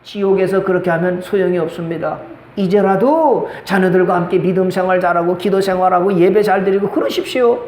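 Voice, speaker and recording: A man's voice: high-pitched, brisk, darkish tone. An older man, a pastor, preaching a Sunday sermon, telling stories with quoted voices and asking the congregation questions. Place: church sanctuary. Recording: echoey church room with faint noise.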